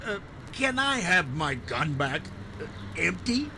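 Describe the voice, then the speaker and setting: A man playing a lovesick, cornered small-time gunman in 1940s noir radio drama, excitable, with pleading bluster. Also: a little high, slow pace, noisy background, heavily acted. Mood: sullen, defeated.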